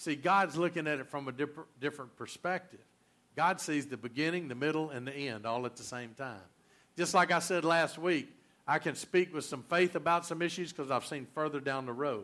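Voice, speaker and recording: A man with a Southern US accent talks at a fairly quick pace in a fairly high pitch, with ordinary pitch variation and a bright, sharp tone. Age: 60s. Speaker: pastor. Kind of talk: sermon. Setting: church.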